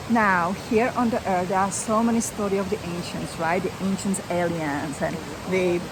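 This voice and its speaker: Noticeable background noise accompanies a woman with a non-native accent. She speaks at a moderate pace and medium pitch with ordinary pitch variation. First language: not English. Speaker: spiritual channeler. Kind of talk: spiritual talk to camera. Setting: outdoors.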